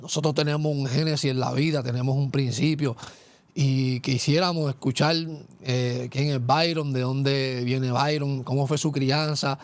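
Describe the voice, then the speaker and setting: A man's voice: medium pitch, fairly even intonation, normal speed, no room sound. A man with a Puerto Rican accent hosting a Christian testimony interview, earnest and speaking in guided questions with frequent tag asides. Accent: Puerto Rican Spanish. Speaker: host.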